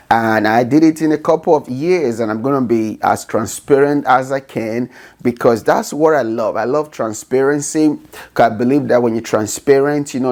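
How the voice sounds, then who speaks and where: A man's voice: mid-range voice, a little mellow. A man with a Nigerian accent hosting his own podcast, talking earnestly to listeners and often checking in with "okay?". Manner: earnest, repeats "okay?" and "you know" often. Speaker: podcast host. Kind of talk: casual monologue.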